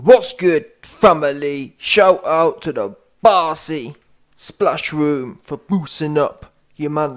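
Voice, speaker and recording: A man hosting a comedic reaction video, with animated, mocking and slangy commentary. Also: mid-range voice. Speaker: YouTube host.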